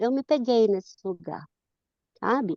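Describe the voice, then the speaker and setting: Over a quiet background, a woman with a high pitch and a dark, mellow tone speaks at a fairly slow pace, her pitch swinging very widely in a dry, close sound with no echo. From Brazil, Belo Horizonte. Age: 60s. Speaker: psychologist training in psychoanalysis. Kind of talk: audience comment in online discussion. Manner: halting.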